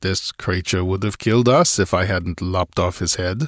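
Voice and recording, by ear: In a growling put-on character voice, a man speaks at a moderate pace with a very deep, low pitch and ordinary pitch variation, the sound dry and close with no echo.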